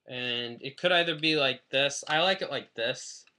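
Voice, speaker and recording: A man's voice: mid-range voice, normal speed, pushed and bright. A man chatting casually in a rambling, self-deprecating way while reviewing a toy on his webcam at home. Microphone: webcam mic.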